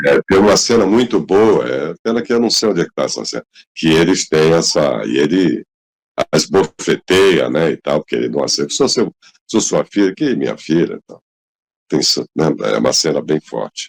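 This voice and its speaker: Very deep and low, this man's voice carries vocal fry yet swings very widely in pitch. The sound is dry and close, with no echo. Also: moderate pace. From Rio de Janeiro. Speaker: actor. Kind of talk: interview.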